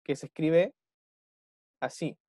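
Patient Chilean teacher, bone-dry sound. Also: male voice, on the high side, slow, dark tone, breathy edge, no echo. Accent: Chilean Spanish. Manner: patient, checks in with "¿ya?" and "¿cierto?" after every point. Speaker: English teacher. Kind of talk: explaining a recorded English dialogue to a class.

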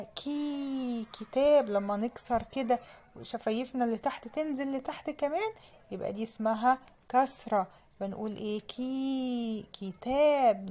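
A young woman with an Egyptian accent leads a children's reading lesson. Her voice sits a touch high, and she sounds out each letter slowly and patiently before saying the whole word. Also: darkish tone. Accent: Egyptian Arabic. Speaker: teacher.

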